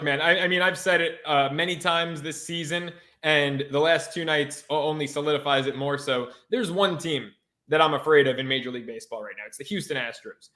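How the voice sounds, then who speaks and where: A man's voice: a little high, pushed and bright. A man co-hosting a sports podcast in a casual chat, brash and emphatic, swearing freely. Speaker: podcast co-host.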